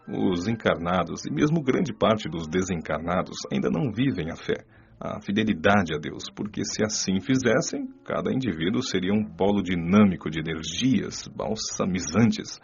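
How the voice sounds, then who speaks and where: A man playing a calm spirit mentor in an audio drama, explaining teachings in a formal, measured, instructive way. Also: sits low, dull audio. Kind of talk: audiobook radio drama, didactic monologue. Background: music.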